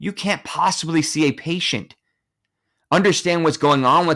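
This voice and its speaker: A man speaks at a moderate pace in a plain, everyday voice with ordinary pitch variation, on a very clean recording with a silent background. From central Massachusetts, Worcester. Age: 30s. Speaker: physician podcast host. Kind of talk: solo podcast monologue. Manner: frequent repetitions and fillers.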